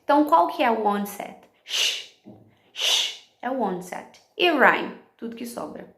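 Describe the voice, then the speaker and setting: Woman teacher, gravelly voice, roomy sound, explains step by step for fellow teachers. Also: on the high side, expressive, normal speed, fairly bright tone. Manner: explanatory, checks in with "ok?" and "tá?", slips into English words. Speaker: English teacher.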